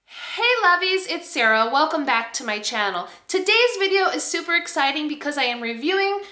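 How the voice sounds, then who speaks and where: Female beauty vlogger, bright and emphatic, chatty review delivery in an echoey room. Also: high-pitched, very animated, a little fast. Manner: enthusiastic, emphatic. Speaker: beauty video host. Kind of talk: casual product review to camera.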